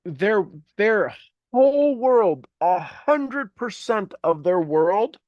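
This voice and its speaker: A man's voice: sits high, very animated, takes it slowly, no echo, dull audio. A man hosting an informal motivational group coaching talk, emphatic and fond of repeating phrases for effect. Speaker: host and coach leading a group call.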